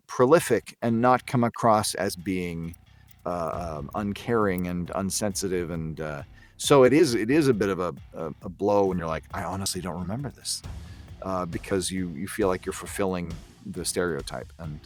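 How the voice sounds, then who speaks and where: A man's voice: low voice, lively intonation, normal speed, faint music behind. A man speaking as a guest voice actor in a casual podcast chat, hesitant and meandering, a little self-deprecating.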